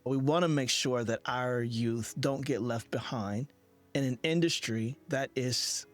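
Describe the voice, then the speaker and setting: A man's voice: mid-range voice, a little slow, faint music behind. A man hosting a conversational podcast interview in an earnest, affirming manner.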